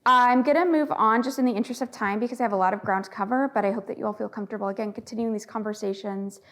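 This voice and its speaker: A woman leading a conference session, explaining prevention concepts in a friendly, measured way with frequent ums, speaking into a microphone in a conference room. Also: a little high. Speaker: workshop facilitator.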